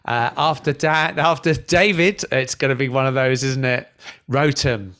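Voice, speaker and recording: Male host, casual chat, mid pitch, online panel introductions. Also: fairly even intonation, unhurried, fairly bright tone.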